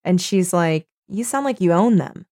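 A woman with a lowish voice co-hosts a chatty podcast. She reads passages from a book aloud and gives them playful emphasis. She talks into a studio mic. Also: animated, moderate pace, warm tone. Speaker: podcast co-host. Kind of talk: casual chat reading from a book. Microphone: studio microphone.

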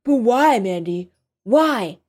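A woman puts on a young man held captive in a thriller novel, pitched high and loud with panic. He exclaims in disbelief and pleads urgently. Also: sing-song, brisk, breathy edge. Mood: panicked.

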